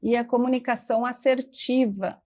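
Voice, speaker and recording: Higher-voiced woman hosting. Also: steady tone, normal speed, darkish tone. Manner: musing, frequent tag questions. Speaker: talk show host. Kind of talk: conversational interview.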